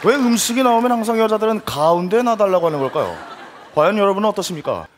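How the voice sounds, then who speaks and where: A high, animated male voice narrates a comedy sketch with mock gravity, firing off rhetorical questions and slipping into laughter. He talks fast. It is a live stage recording with a crowd and noise behind him. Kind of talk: comic mock-serious narration. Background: audience crowd.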